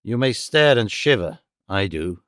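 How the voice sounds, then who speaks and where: A man's voice: fairly low pitch, expressive, unhurried, a bit bright, no echo, studio quality, voice pushed down. A man voicing a stern, cold-hearted moneylender who speaks in a grim, menacing way.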